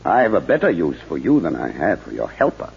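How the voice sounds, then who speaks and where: An actor playing a cold, sardonic foreign spy ringleader in a 1950s radio drama, speaking formally with measured, menacing politeness. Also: male voice, a bass voice, wildly swooping pitch, vocal fry, breathy edge, exaggerated voice. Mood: sardonic command. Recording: muffled, noisy 1950s radio recording.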